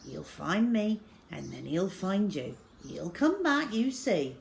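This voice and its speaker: A woman's voice: on the low side, very animated, slow pace, heavily acted. A woman reading the part of a stubborn, loving old island grandmother in a storybook, with a steadfast manner. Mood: reassuring. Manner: quiet, steadfast, reassuring. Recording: clear background noise.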